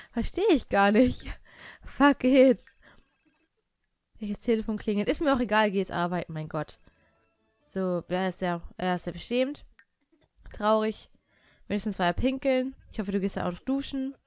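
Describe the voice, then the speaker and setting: A young woman doing casual gameplay commentary, chatting and bossing her game characters around with quick exclamations. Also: medium pitch, animated, a little mellow, dry recording. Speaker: let's player.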